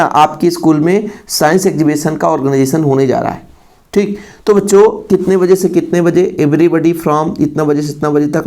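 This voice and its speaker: A male teacher runs an exam-prep lesson for students, repeating phrases and posing rhetorical questions. His voice is gravelly, on the high side, and darkish in tone, with an Indian accent when he reads English.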